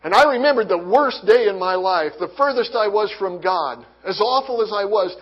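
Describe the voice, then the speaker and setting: Man with a high voice sharing a faith testimony, earnest, restarts often, reads scripture; dull lo-fi recording. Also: lively intonation, normal speed. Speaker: testimony speaker.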